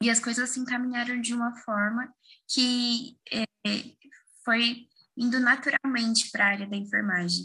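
Her voice high, a woman speaks at a moderate pace in a monotone, flat intonation, leaving long, frequent pauses. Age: 30s. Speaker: ICU nurse. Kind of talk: interview.

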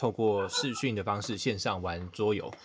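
A man's voice, fairly low in pitch. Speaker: podcast co-host. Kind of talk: casual chat while playing online games. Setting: online video call. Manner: calm.

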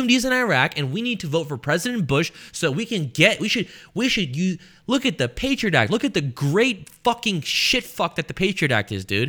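In an American accent, a man talks at a fairly quick pace in a raised, projected voice with very wide pitch swings, an animated tone and a bright, sharp sound, captured in a very clean recording with a silent background. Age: 20s. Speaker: podcast host. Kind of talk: casual comedic rant.

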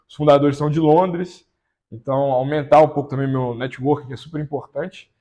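A man's dark, mellow voice at a fairly high pitch, moderate pace, fairly even intonation and big swings in loudness. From Brazil, Minas Gerais (Belo Horizonte). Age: 20s. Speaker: commercial astronaut and engineer. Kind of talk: interview. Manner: halting, frequent repetitions.

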